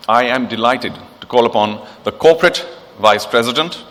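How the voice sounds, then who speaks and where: A man's voice: mid-range voice, normal speed, fairly bright tone, in a large hall. A man hosting a corporate event, speaking in flowery, eloquent phrases with emphatic rises before he introduces the next speaker. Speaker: event host. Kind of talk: formal emcee speech.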